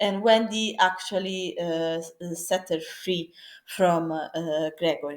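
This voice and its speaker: A woman with a non-native accent, medium pitch and a very slow pace. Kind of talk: class presentation pitch. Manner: hesitant, many fillers.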